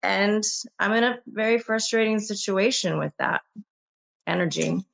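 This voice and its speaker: A woman's voice: mid-range voice, normal speed, vocal fry, fairly bright tone, dull audio. A woman on a talk show, answering criticism in a hesitant, defensive way.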